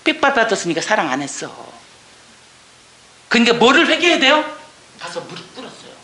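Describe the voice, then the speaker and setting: Woman missionary, testimony, high voice, earnest and tearful. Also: very animated, fairly quick, pushed and bright, roomy sound, a little hiss or hum. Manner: earnest, tearful, exclaims and asks rhetorical questions. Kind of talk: emotional testimony talk.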